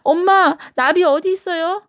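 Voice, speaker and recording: A woman's voice: very high-pitched, a little slow, no room sound, clean studio sound, voice pushed up. A woman voicing a small, earnest boy in a storybook, tender and protective of his cat. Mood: pleading. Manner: earnest, pleading.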